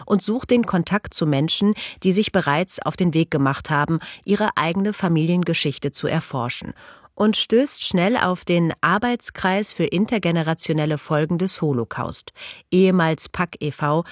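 Documentary narrator, measured scripted read, dry close studio sound. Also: mid-range voice, no room sound. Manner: measured, even delivery.

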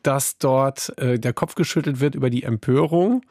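A man's voice: mid-range voice, normal speed, a little mellow, no echo. A man moderating a panel debate, asking probing questions and paraphrasing and quoting others. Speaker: debate host.

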